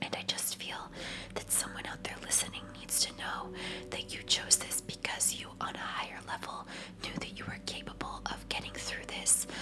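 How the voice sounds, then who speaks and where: A woman's whisper moves at a moderate pace against noticeable background noise. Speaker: tarot reader and spirituality YouTuber. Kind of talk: ASMR tarot reading. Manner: whispered.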